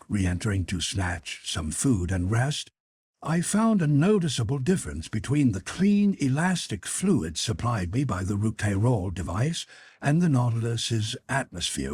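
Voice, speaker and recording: A man's voice: lowish voice, darkish tone, breathy edge, no room sound. A man reading a classic novel aloud as a scripted audiobook narration.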